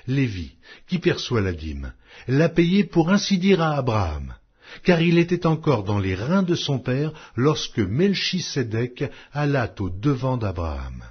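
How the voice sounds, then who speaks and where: A man reading scripture aloud as an audiobook, in a solemn, measured, declamatory way. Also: medium pitch, slightly rough, muffled recording. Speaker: audiobook Bible reader.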